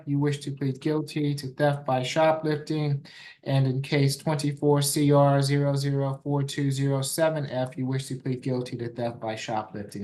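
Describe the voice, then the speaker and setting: A man speaking as a judge, putting formal plea questions in a polite, procedural courtroom manner. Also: on the high side.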